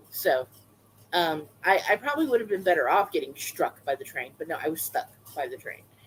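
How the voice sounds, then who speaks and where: A woman speaks at a medium pitch and a fairly quick pace. Her pitch swings very widely and her loudness shifts a lot. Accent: Southern US. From US South. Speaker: livestreamer, aquarium hobbyist. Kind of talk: casual livestream chat. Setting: livestream.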